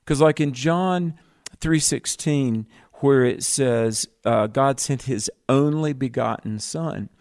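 Male radio Bible co-host, measured and teacherly, cites chapter and verse. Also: medium pitch, a little mellow. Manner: measured, explanatory, scripture-citing. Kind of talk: call-in radio Bible talk.

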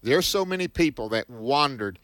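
Male Christian call-in host, bright forceful exhorting voice, dry studio sound. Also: mid-range voice, lively intonation, normal speed, no echo. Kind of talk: evangelical call-in talk, exhorting.

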